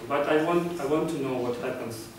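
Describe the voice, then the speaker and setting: A man's voice: mid-range voice, normal speed, slight background noise. A man, giving an earnest club speech in a meeting room and often restarting his phrases with fillers. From Kazakhstan. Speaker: club speaker. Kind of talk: prepared public speech. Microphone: far camera. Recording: echoey room from far off.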